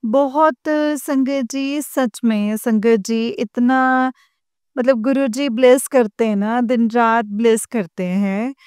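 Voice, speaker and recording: Slow, heartfelt woman. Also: on the high side, fairly even intonation, darkish tone, clean tone, dry recording, studio quality. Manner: earnest, repeatedly addresses listeners as congregation; emotional, heartfelt. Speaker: devotee sharing an experience. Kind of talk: devotional testimony to listeners.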